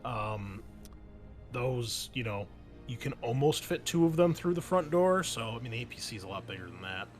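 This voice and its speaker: Game master explaining with music behind him. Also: male voice, medium pitch, animated, moderate pace. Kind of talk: improvised narration of a tabletop game.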